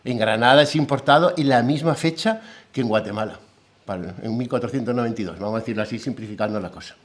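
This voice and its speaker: A man with a Peninsular Spanish accent gives an academic lecture as a philologist, at an ordinary pitch for a man. His delivery is explanatory and lively, with a touch of humour. He often pauses on rhetorical tag questions to check that the audience is following. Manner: lively, with a humorous anecdote.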